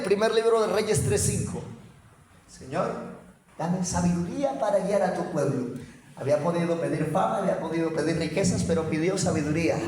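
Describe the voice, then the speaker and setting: Fervent Colombian preacher, high voice. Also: male voice. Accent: Colombian Spanish. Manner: fervent, swings between quiet reflection and shouted exhortation. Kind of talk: sermon. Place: church hall. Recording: echoey church hall.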